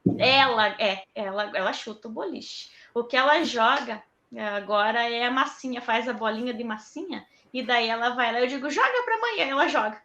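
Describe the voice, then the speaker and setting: A woman's voice: fairly high pitch, steady tone, normal speed, bright, forceful tone. A woman, a mother of autistic twins, chatting casually on a video call from her home toy room and acting out her children's words. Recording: dull echoey home room.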